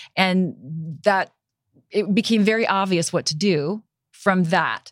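Recorded dry and close with no echo, a woman uses a plain, everyday voice at a medium pitch with ordinary pitch variation. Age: 50s. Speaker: salon owner. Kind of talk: casual chat.

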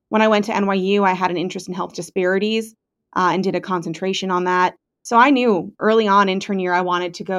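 Over a quiet background, a woman talks at a fairly quick pace with an American accent in a plain, everyday voice. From New York, Long Island. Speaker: pediatric neurosurgery fellow. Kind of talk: interview.

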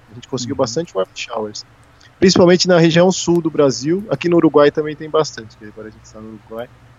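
A man's very fast, fairly high voice with lively intonation and big swings in loudness, over noticeable background noise. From Brazil. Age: 30s. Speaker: pathologist on a round-the-world bicycle trip. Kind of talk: casual interview chat.

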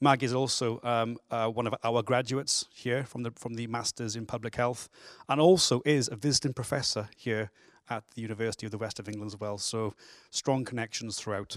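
With a normal speaking voice, a man at a medium pitch talks at a fairly quick pace with fairly even intonation, the sound dry and close with no echo. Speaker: university dean chairing the lecture. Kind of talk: event chairing and introductions. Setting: live lecture hall with audience.

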